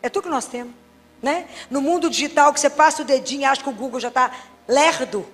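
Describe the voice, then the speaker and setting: A Catholic doctor giving a faith talk, telling anecdotes and acting out dialogues with wry humor. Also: female voice, high-pitched, fast talker, a bit bright, long reverb tail. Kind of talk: preaching talk with lively anecdotes.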